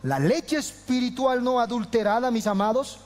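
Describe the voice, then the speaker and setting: A pastor preaches with fervor, his fairly high voice rising to loud declarations and falling to near-whispers. A long reverb trails each phrase, the sound of a church hall. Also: moderate pace. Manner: impassioned, swinging from loud to hushed. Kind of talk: sermon.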